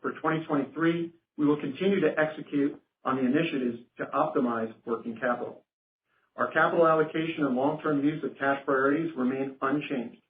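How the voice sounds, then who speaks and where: A man's voice: on the high side, a little fast. A man speaking formally as a finance executive presenting on a company earnings call. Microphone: conference phone call. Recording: roomy phone line with noticeable hiss.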